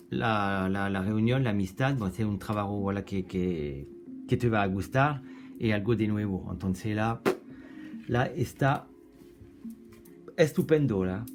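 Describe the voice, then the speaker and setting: A man with a French accent talks slowly and haltingly through a card reading, restarting phrases as he hunts for the right word. His pitch sits at an ordinary middle level, and soft music plays faintly behind him. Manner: halting, searches for words, many restarts; drops in French fillers. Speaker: tarot reader. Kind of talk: casual card reading to camera.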